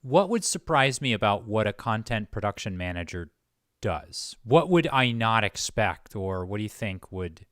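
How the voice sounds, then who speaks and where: Man, interview host, smooth clear voice, dry studio-like sound, casual, playful. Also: fairly low pitch, big pitch swings, moderate pace, fairly bright tone, no room sound.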